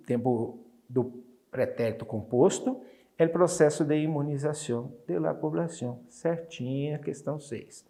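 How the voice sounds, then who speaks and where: A man with a Brazilian Portuguese accent goes through a Spanish exam review. His voice sits at an ordinary middle pitch. He reads each item slowly and then talks it over casually, often checking in with his students. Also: dark tone. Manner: chatty, checks in with students constantly. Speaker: Spanish teacher.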